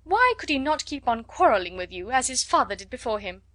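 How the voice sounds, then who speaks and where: A woman voicing a fussy, easily flustered middle-aged mother who exclaims and frets loudly in an audiobook. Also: a little high, sing-song, brisk, no room sound. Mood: fretful excited. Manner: loud, exclaiming, fretful. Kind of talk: audiobook character voice.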